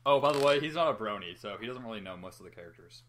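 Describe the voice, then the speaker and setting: Animated, bright voice with sudden pitch swings. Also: very fast, slight background noise. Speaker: host of an amateur fan fiction reading. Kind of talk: casual chat and amateur story reading.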